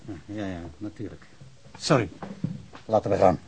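A man's voice: fairly low pitch, moderate pace, creaky. A small-town policeman in a radio drama. He is emotional and rambling, stumbling over and repeating his words. The recording carries a little noise. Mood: shaken, remorseful. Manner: stammering, repetitive, rambling.

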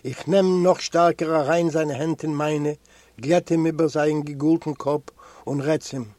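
A man from Eastern Europe reading a literary memoir aloud as an audiobook narrator, in a measured, earnest storytelling manner. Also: on the high side, fairly even intonation, warm tone, no room sound. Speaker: audiobook reader.

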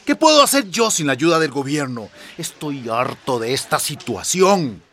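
Harried town mayor, radio drama, fairly high voice, pleading and irritable. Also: male voice, sing-song, moderate pace, a bit bright, full character voice. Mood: exasperated. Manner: pleading on the phone, then frustrated muttering. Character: weary exasperated male small-town mayor.

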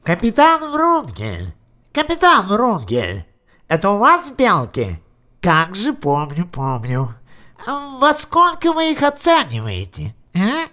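An actor playing a sly, fawning foreign businessman, drawn-out and mock-friendly. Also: high-pitched, wildly swooping pitch, bright, forceful tone, full character voice. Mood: wheedling. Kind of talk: audio play acting.

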